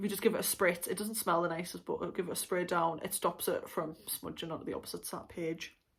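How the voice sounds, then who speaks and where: A woman with a Northeast English accent talks at a very fast pace with hardly any pauses. Her fairly low, somewhat breathy voice stays monotone and flat. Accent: Northeast England. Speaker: art YouTuber. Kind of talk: casual product review haul. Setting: living room at home. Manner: chatty with frequent fillers.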